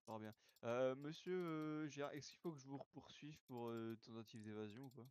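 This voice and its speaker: A man's voice: medium pitch, normal speed, a little mellow, clear, resonant tone. A man playing a judge in a roleplay game, speaking formally with frequent hesitations. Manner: formal, hesitant with many fillers. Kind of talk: mock-formal courtroom roleplay.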